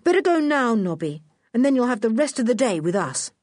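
A polite, sensible schoolboy who leads the group, voiced by a woman reading a children's story. He speaks in earnest, proper phrasing with a lively rise and fall. The recording is close and dry. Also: on the high side, brisk, no echo, pitched above the performer's own voice. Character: sensible well-spoken schoolboy, leader of the children.

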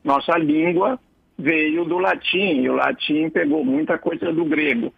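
A man's voice: fairly high pitch, steady tone, unhurried, creaky, husky, no room sound. A man giving a casual, digressive radio column as a writer, explaining words with chuckles along the way. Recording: dull lo-fi radio broadcast.

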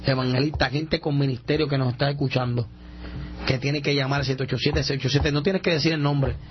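A man's voice: medium pitch, fairly even intonation, a little fast, slight background noise. A man hosting a call-in Christian radio show, preaching and praying fervently with lots of repetition. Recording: dull radio audio.

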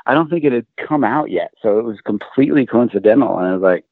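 A man's voice: mid-range voice, animated, fast talker, husky, no room sound. An American man chatting as a comedian guest, telling rambling, sweary, self-deprecating anecdotes. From Maryland, USA. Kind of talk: casual anecdotal chat. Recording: narrow tinny phone-like line, dry.

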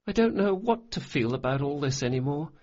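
A man doing a gentle, quiet big boy. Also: a little high, animated, highs cut off, pitched above the performer's own voice. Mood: sad. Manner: soft, halting and hesitant.

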